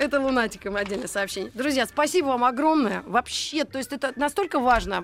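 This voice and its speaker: A woman speaks at a high pitch, her intonation lively throughout. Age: 40s. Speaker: radio host. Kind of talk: casual chat. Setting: studio. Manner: animated.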